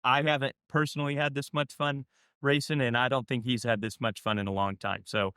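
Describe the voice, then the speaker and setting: A man's voice: medium pitch, level tone, fairly quick, sharp tone, smooth, no room sound, clean studio sound. A young adult man, a drag racing driver, talking candidly and easygoingly in an interview. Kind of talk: casual interview answers.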